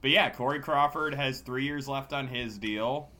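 A man's voice: medium pitch, normal speed, bright, forceful tone. A hungover man co-hosting a casual sports podcast, talking in a dry, sardonic way. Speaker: podcast host.

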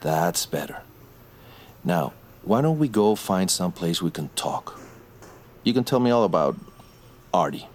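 A middle-aged man playing a patient police detective, calm and reassuring. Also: sits low, a little slow, long pauses, a little hiss or hum.

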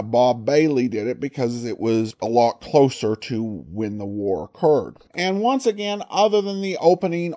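Animated American male podcast host, higher-pitched. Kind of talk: conversational commentary on old radio shows.

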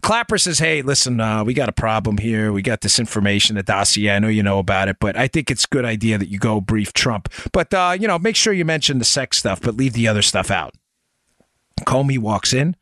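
A man's voice: fairly low pitch, expressive, brisk, a bit bright, dry recording, studio quality. A man hosting a political talk show in an emphatic, insistent monologue, firing rhetorical questions at his listeners.

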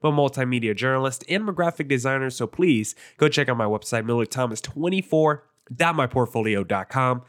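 A young man with a stuffy, nasal voice from allergies, hosting a casual sports podcast, moving briskly from plugs to game stats. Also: medium pitch, expressive, a bit bright, no echo, clean studio sound. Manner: brisk, self-promoting, stat-heavy. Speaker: podcast host.

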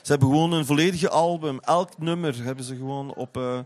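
A man's voice: a little high, steady tone, brisk. A man with a Flemish accent chatting casually about music, often repeating words as he searches for phrasing. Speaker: interview guest, teacher.

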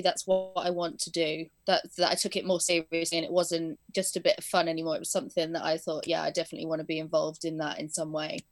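A young woman, English-born and raised in southern Spain, speaks with an English accent in a fairly bright voice on the low side. As a guest in a casual interview chat, she talks about her jobs as a performing arts teacher and editor, using fillers and laughing easily.

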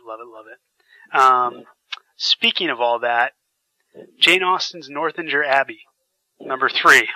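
A man's voice: medium pitch, sharp tone, no room sound, low-quality recording. A man hosting a podcast, chatting enthusiastically with frequent fillers while getting over a sinus infection. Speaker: podcast host. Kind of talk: casual podcast chat.

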